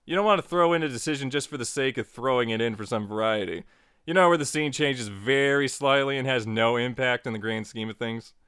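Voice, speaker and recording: A man's voice: medium pitch, a little fast, a bit bright, clear, resonant tone, no echo, clean studio sound. A man narrating a scripted but casual tutorial as its host, with playful, joking asides.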